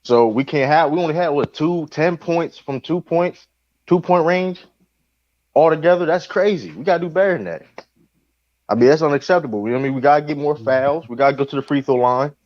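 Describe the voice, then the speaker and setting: A man's voice: fairly high pitch, brisk, no echo, muffled recording. Heated, profane man in a sports debate. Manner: animated, profane, talks over others. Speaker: call-in show regular.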